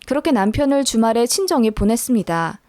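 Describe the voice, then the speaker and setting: A woman narrating a true-story radio drama in a calm, matter-of-fact storyteller's way. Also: a little high, quick pace, no room sound, clean studio sound. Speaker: story reader.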